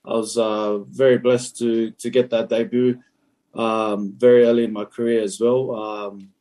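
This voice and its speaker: A man in his twenties from Fiji, answering interview questions in a relaxed, hesitant way with many fillers. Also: mid-range voice, a little slow. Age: 20s. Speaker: rugby league player, guest.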